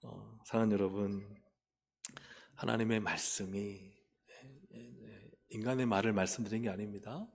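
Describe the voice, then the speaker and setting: A male pastor preaching a sermon, telling a personal story, asking rhetorical questions and getting loud and animated as he retells it. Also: lowish voice, moderate pace, gravelly, breathy edge. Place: church sanctuary. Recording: long church hall reverb.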